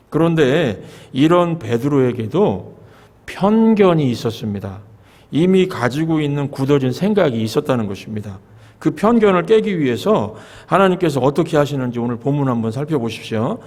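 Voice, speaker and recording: A man preaching a Sunday sermon as pastor, measured and asking the congregation rhetorical questions. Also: a little high, a little mellow. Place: church sanctuary. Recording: long reverb of a church sanctuary.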